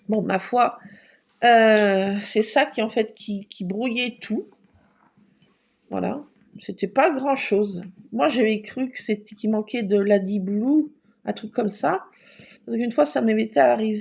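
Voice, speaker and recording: A woman's voice: a little high, vocal fry, husky. A woman vlogger telling a casual story, laughing often and acting out dialogue and sounds. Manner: lively, laughing, acts out dialogue and alarm sounds.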